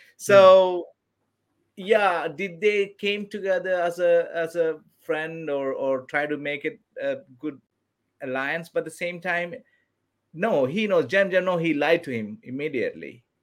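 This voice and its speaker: A man's high-pitched voice with a Sri Lankan accent, ordinary pitch variation and a fairly slow pace. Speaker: former reality TV contestant. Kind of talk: casual chat. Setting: video call.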